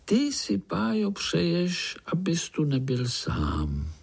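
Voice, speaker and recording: A haughty little golden fly girl with a magical air, high, lilting and sure of herself, as a male storyteller puts her on. Her voice is a little husky and swings widely in pitch, and she speaks with calm self-assurance. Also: full character voice. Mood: knowing. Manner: haughty, matter-of-fact.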